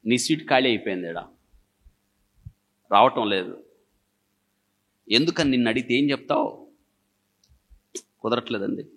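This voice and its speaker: A man's voice: medium pitch, animated, moderate pace, pauses often, a bit bright. A male pastor preaching a sermon in short bursts, firing repeated questions at the congregation and telling everyday stories to make his point.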